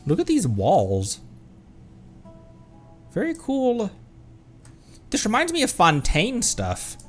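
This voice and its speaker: A man's voice: sits high, wildly swooping pitch, slow pace. A man doing casual gameplay commentary as a streamer, chatty and thinking aloud. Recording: game music behind voice. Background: video game music.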